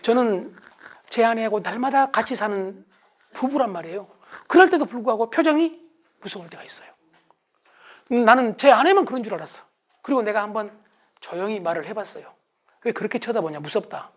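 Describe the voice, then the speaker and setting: A man's voice: high-pitched, a little fast, pauses often. A middle-aged man giving a motivational lecture to an audience, acting out quarrels in a raised voice. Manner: animated, acts out quarrels in raised voice.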